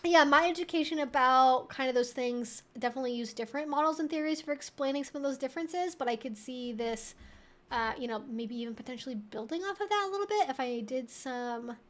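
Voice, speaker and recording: A young woman hosting a casual question-and-answer livestream, talking informally and thinking out loud. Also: sits high, fairly quick. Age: 20s to 30s.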